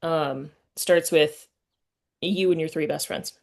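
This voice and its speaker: A woman hosting a casual interview, speaking thoughtfully and often pausing mid-sentence to find her words. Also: low-pitched, fairly even intonation, gravelly. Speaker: interviewer and host.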